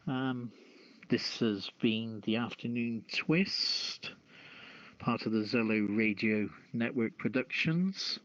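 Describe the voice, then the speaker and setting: Slow-talking man hosting radio, echoey sound. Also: medium pitch, fairly bright tone. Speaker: radio show host. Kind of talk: casual live radio show hosting. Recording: dull, echoey online radio channel audio.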